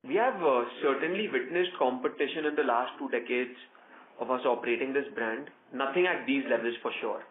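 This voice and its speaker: A man with an Indian accent, a company executive, giving measured, explanatory answers on an earnings call over a conference phone line. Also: medium pitch. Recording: echoey tinny conference phone line with noise.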